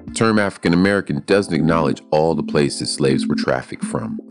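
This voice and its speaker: A man hosting a podcast, narrating thoughtfully and asking short questions in a measured, musing way. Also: rumbling low, lively intonation. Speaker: podcast host. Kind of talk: reflective podcast narration and interviewing. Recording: music playing behind the voice.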